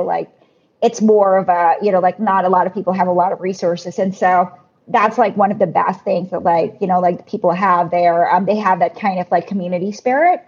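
A woman in her thirties from the Philippines talks casually as a guest, stacking up fillers and restarting her sentences. Her voice has a husky edge. The recording sounds muffled and lo-fi. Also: fairly low pitch, darkish tone. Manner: chatty, many fillers and restarts. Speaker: podcast guest. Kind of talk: casual interview talk. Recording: muffled lo-fi audio.

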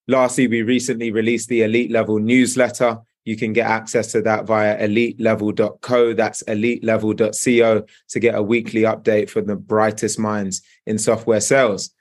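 A man's voice: fairly low pitch, little pitch movement, normal speed, few pauses. A man hosting a podcast, opening the show and questioning his guest in a polished, upbeat delivery. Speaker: podcast host.

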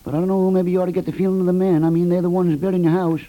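Laconic, sentimental American contractor played by a male actor, high-pitched and mellow, folksy 1950s radio comedy. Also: little pitch movement, very fast, natural voice, poor audio. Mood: resigned. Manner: laconic, folksy, drops words, guilt-tripping. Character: stolid, folksy building contractor, sentimental about birds.

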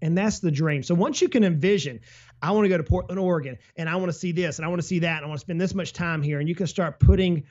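Energetic man with a slightly raised pitch. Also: fast talker, highs cut off. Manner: energetic, explains with travel analogies and hypothetical quotes. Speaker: financial advisor guest. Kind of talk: casual business podcast talk.

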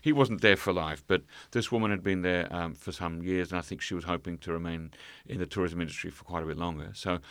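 Low-voiced man, halting storyteller. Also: a bit bright, clear, resonant tone, dry recording. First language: English. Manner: hesitant, many fillers and restarts. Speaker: guest. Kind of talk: conversational storytelling.

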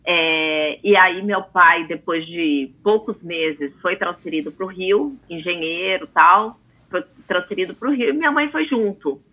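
A chatty woman in her forties from Brazil tells stories with lots of asides, her voice a little husky. The sound is thin and tinny, like a phone line. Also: fairly low pitch, measured pace. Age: 40s. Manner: chatty, animated storyteller with frequent asides. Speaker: interview guest. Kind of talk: casual interview talk.

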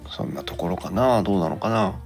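A man's voice: sits low, animated, a little fast, soft background music. A man hosting a podcast in casual chat about gadgets, thinking aloud and turning polite when addressing listeners. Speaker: podcast host.

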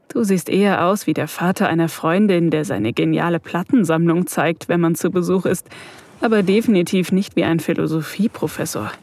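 Actor: young researcher, first-person inner voice, middle pitch, intimate and observant, dry close mic. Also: darkish tone, no echo.

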